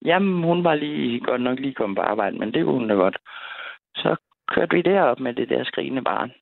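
Woman caller, gravelly, chatty storyteller who laughs often, tinny phone line, dry sound. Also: extremely low pitch, no echo. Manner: lively, chatty, laughs between sentences. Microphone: telephone.

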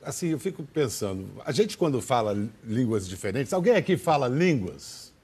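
A man's voice: mid-range voice, normal speed, slightly rough. A male talk show host asking his guests curious, playful questions. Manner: animated, curious, joking questions. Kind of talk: casual interview chat.

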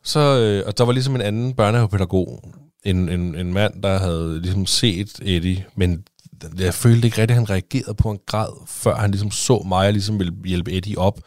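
Low-voiced man telling a story. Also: no echo, studio quality. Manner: animated storytelling, swearing, acting out dialogue. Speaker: podcast co-host. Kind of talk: casual chat.

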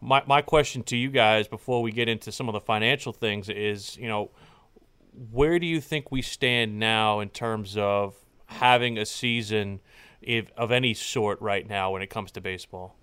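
A man hosting a loose, casual podcast, his voice smooth and clear at a middling pitch. He talks in long, rambling stretches, stopping to restart his sentences and filling gaps with "uh". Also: moderate pace, a bit bright. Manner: rambling, many fillers and restarts. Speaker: podcast host.

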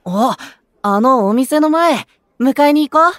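An actor playing a gentle, eager, boyish young male idol in a Japanese voice drama, friendly and earnest. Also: very high-pitched, expressive, takes it slowly, a little hiss or hum, exaggerated voice. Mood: cheerful, earnest.

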